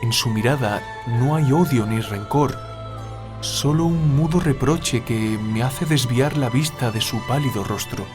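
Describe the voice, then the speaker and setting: A man playing a troubled writer haunted by nightmares, confiding in a measured, literary way, as in an audio drama. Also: medium pitch, music in the background, lightly acted. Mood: haunted, hushed. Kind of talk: audio drama monologue, narrating a dream.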